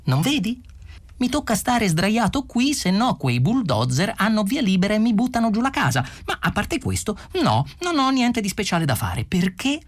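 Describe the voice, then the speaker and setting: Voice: mid-range voice, very animated, normal speed, pitched above the performer's own voice. A reader voicing an exasperated young man lying in the mud, sarcastic and indignant, in an audiobook. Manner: sarcastic, indignant, raised and pleading. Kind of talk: audiobook character voice.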